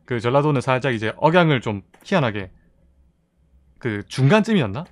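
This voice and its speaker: A man's voice: mid-range voice, sing-song, brisk, no echo. Chatty Gyeongsang-accented man streaming a game. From South Korea, Busan. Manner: chatty, reads out chat and thanks viewers. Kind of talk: casual live-stream chat while playing.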